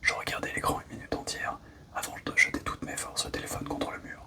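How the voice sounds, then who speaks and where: Whispering at a moderate pace, a man speaks over noticeable background noise. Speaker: ASMR book-reading channel host. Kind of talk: first-person fiction reading, sci-fi novel excerpt. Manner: whispered, soft.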